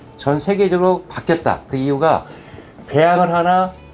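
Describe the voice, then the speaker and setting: A man is speaking. Music plays in the background. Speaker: orthopedic surgeon. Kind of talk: explanatory talk. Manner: fast.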